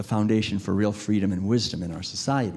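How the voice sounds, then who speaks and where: In a room with audible echo, a man with an American accent speaks at a moderate pace in a dark, mellow, medium-pitched voice with ordinary pitch variation. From New England, Massachusetts (Concord). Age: 60s. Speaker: guest speaker and pianist. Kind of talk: sermon. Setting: church. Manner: halting, many false starts.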